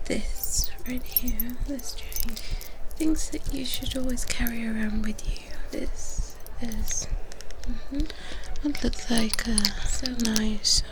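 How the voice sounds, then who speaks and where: A woman plays a protective female vampire mentor in an ASMR roleplay. She whispers slowly and close to the mic, soothing and reassuring, in a fairly high voice. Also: steady tone, rough recording. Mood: confiding. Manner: soothing, slow, close personal attention. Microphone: close microphone for headphone listening.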